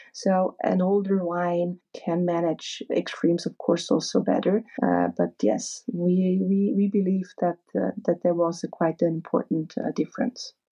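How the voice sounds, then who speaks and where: A woman with a Swiss accent speaks at a fairly slow pace and medium pitch, with a dark, mellow tone and ordinary pitch variation. Her loudness stays very even, she hardly pauses, and the sound is dry and close with no echo. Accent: non-Italian foreign accent, Swiss. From Switzerland, Zurich. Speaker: winery owner. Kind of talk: interview. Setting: live online audio room. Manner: hesitant with fillers.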